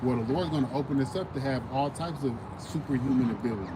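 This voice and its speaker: Man, medium pitch, earnest street preacher, emphatic repetition, conversational, very noisy outdoor city recording. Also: fast. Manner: earnest, emphatic, repeats phrases, often says "sir". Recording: loud outdoor traffic and ambient noise.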